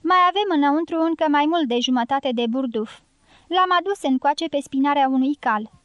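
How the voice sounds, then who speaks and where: Cheeky gypsy guerrilla man, teasing and talkative, read by a woman; high, dry. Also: animated, fairly bright tone, dry recording, highs cut off. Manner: teasing, provoking. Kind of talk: audiobook character reading.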